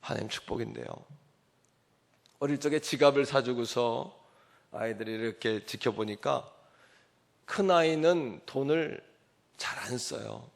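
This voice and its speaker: A middle-aged male pastor delivers a sermon in a church, his voice carrying a steady gravelly grain. He preaches with fervor, rising to loud declarations and dropping to near-whispered asides. His pitch sits in an ordinary middle range for a man. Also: unhurried, long pauses. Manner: impassioned preaching, swinging from loud to hushed.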